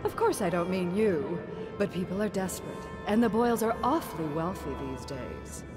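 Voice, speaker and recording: A woman's voice: on the low side, expressive, normal speed, music in the background, lightly acted. A woman playing a prim, worried aristocratic party guest in a video game. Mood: placating, chiding. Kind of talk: video game character dialogue.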